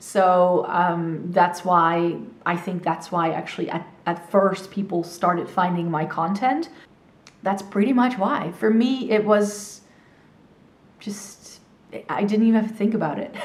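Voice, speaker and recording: A woman with a Dutch accent, medium pitch, ordinary pitch variation and a fairly slow pace, in audible room echo. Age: 30s. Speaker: beauty YouTuber and English teacher. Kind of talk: casual chat, Q&A while doing makeup. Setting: home, in front of bookcases.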